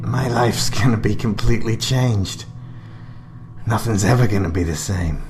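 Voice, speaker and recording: An actor in a radio drama playing a nervous, hard-up father drawn into crime, speaking haltingly. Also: fairly low pitch, natural voice. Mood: wistful, excited. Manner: hesitant, halting. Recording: loud music under the voice.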